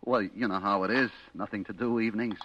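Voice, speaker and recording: An actor playing a nervous young American market clerk in an old radio suspense play, slangy and confiding, stammering when cornered. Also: male voice, fairly low pitch, fairly even intonation, brisk, highs cut off, lightly acted. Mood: nervously placating. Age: young adult. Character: nervous young market clerk having a secret affair, telling his story. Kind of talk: 1940s-50s American radio suspense acting.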